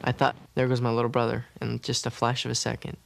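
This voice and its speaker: Fast-talking young man, gravelly voice. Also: mid-range voice, completely flat delivery, slight background noise. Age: young adult. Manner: fast, urgent retelling. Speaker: eyewitness brother. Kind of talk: interview recollection. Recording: music bed under voice.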